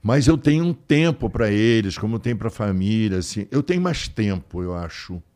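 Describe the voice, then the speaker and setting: A man from Rio talking as a guest in a casual interview, rambling warmly with many restarts. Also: fairly low pitch, animated, normal speed. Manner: warm, rambling, affectionate storyteller with frequent restarts.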